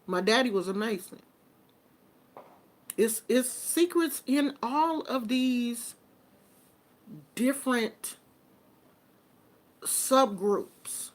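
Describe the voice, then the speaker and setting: A woman's voice: a little high, lively intonation, extremely slow, pauses often. A woman, hosting a casual, chatty talk with viewers in an informal manner. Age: 50s. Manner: chatty and informal, with colloquial phrasing. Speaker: host. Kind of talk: casual live chat with viewers.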